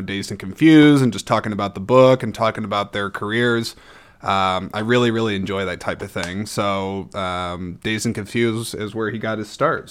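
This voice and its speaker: A man hosting a casual solo vlog, rambling along in a chatty, enthusiastic way as he gives his opinions. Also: fairly low pitch. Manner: enthusiastic, chatty, frequent throat-clearing. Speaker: host reviewing own movie collection.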